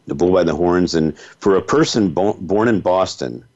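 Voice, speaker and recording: A man with an extremely low voice hosts a conversational interview. The audio is a little dull and very dry. He speaks effusively, offering compliments as he leads his guest along. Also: moderate pace, darkish tone, dry recording. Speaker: interview host.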